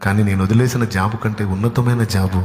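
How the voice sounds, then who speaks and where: A man preaching a sermon, acting out scolding relatives in a dramatic voice that swings between loud anger and soft replies. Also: fairly low pitch, steady tone, fast.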